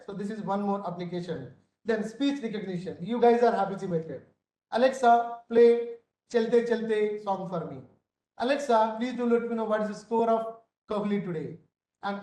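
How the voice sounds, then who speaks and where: A man's voice: sits high, darkish tone. A man with a South Indian accent teaching an online class in a didactic way, often checking in with his listeners. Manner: didactic, repeatedly checking with "right?". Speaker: instructor. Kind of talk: online masterclass lecture. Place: indoor room, video call. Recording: roomy, echoing webcam-call sound.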